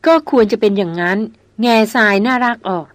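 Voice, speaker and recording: A woman's voice: fairly high pitch, a little fast, dry recording, natural voice. A woman voicing a proud, headstrong young noblewoman who speaks firmly and insistently in an audiobook. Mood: cool. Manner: firm, insistent.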